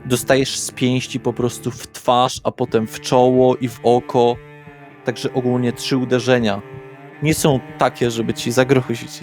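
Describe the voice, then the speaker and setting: Running a tabletop horror role-playing game, this man narrates scenes and walks through the rules in a medium-pitched, somewhat dark voice. Music plays in the background of the recording.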